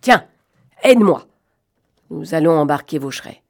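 Fiery, commanding gentleman burglar for an audiobook, read by a woman; sharp, scolding delivery. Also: low voice, expressive, moderate pace, vocal fry, heavily acted. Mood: angry.

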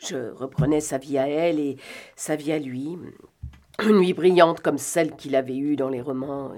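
A woman's voice: sits low, normal speed, mellow, natural voice. A woman reading aloud as a weary, guilt-ridden young adventuress who murmurs her confessions. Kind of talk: audiobook reading.

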